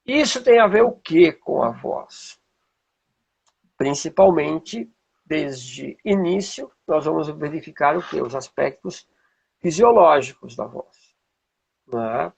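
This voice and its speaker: Husky, higher-pitched Brazilian man teaching. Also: animated, slow pace, pauses often. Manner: didactic, checks in with rhetorical questions. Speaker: singing and music teacher. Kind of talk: informal explanatory talk with demonstrations.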